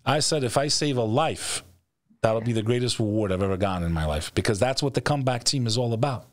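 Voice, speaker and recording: A middle-aged host talks quickly and expressively at medium pitch, giving blunt, cursing motivational commentary in an interview and repeating lines for emphasis. Captured on a close stand microphone in an indoor studio over a video call, the audio has no room sound.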